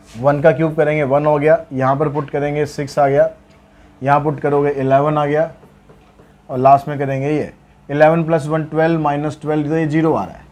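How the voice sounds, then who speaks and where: A man's voice: a little high, a little mellow. A male math teacher giving a casual blackboard lesson, teasing his students and stepping through the working one step at a time.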